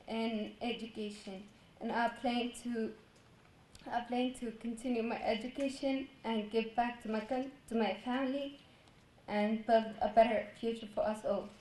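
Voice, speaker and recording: A teenage girl, fairly high-pitched, reads a careful prepared speech as a graduating student. She delivers it slowly and restarts now and then. Her voice echoes in a big hall with faint background noise. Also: fairly even intonation, dark tone. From Palestine. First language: Arabic. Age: teens.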